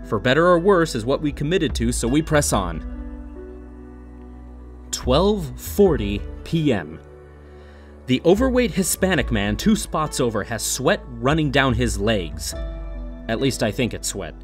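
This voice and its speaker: Theatrical man reading with very animated pitch. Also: measured pace, pauses often, faint music behind. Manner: mock-serious, theatrical. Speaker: humorous reader of an online classified ad. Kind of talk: dramatic reading, scripted comic narration.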